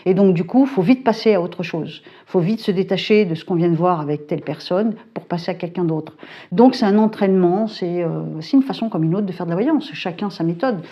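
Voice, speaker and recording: A middle-aged woman talking casually to camera, colloquial and brisk, with lots of fillers and hesitations. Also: lowish voice, muffled recording. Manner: chatty, colloquial, frequent filler tags and hesitations; brisk and self-described hyperactive. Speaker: psychic YouTuber. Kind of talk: casual talking-head chat. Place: home.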